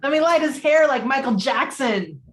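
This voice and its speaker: A woman's voice: sits high, lively intonation, normal speed, fairly bright tone. A woman playing an eager, cruel teenage boy, a bully's sidekick, in a script table read. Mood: eager malice. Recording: echoey room.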